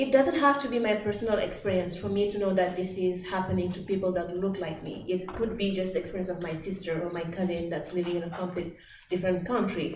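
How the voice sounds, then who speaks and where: There is noticeable background noise and audible room echo around a woman's voice. She speaks at medium pitch with ordinary pitch variation. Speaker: panel speaker. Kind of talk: panel discussion. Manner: fast.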